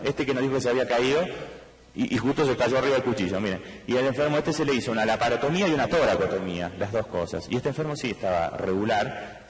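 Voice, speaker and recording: A man's voice: medium pitch, echoey room, big-room sound, rough recording. A man with an Argentine accent giving a medical conference lecture. He explains at length, speaks straight to the audience and throws in rhetorical questions. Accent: Argentine Spanish. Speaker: anesthesiologist lecturer. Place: large conference hall.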